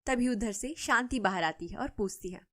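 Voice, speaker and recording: Woman narrating a storybook, fairly high voice. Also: normal speed. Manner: steady storybook telling. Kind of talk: scripted narration.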